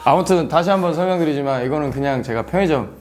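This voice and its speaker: A man's voice: fairly high pitch, quick pace, a little mellow. A man with a Gyeongsang accent hosting a casual chat and eagerly recounting shared memories. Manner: earnest, storytelling, eager to reminisce. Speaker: host.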